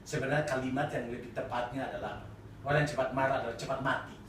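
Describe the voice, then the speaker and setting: A male pastor giving a sermon, animated and joking with the congregation, at times laughing loudly. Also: mid-range voice, fast talker. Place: church chapel. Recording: echoey church hall, mic at a distance, noisy.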